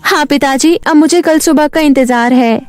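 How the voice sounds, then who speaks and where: A woman's voice: high voice, normal speed, darkish tone, dry recording, soft background music, voice pushed up, lightly acted. A woman voicing an earnest, emotional young woman who competes in a cartoon story. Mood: happy, eager.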